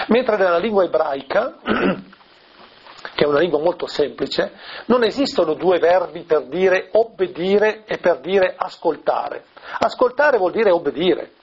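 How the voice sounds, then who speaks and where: In a dull lo-fi recording, a man whose voice sits high and sounds slightly rough teaches on a scripture passage as a priest. He asks rhetorical questions and tags his lines with "eh?".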